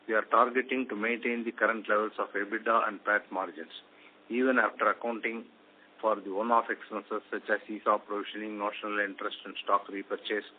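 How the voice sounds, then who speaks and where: A man with an Indian accent delivering prepared business remarks as a company chairman on a conference call. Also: fairly low pitch. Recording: narrow, noisy phone conference line.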